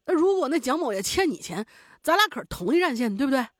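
This is a storytelling voice for a frightened working man, acted by a female narrator. He stutters and rushes his pleas. His voice jumps around a lot, and the recording is close and dry. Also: high voice, big pitch swings, dry recording, voice pushed up. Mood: panicked. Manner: stammering, rushed, pleading. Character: panicky stammering man, frightened worker.

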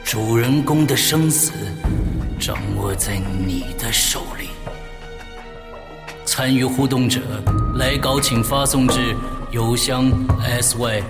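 Guy doing dramatic promo voiceover, slow and roomy sound, music blaring behind. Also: mid-range voice. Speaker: promo announcer. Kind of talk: dramatic scripted promo narration. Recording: echoey, loud music bed. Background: loud music.

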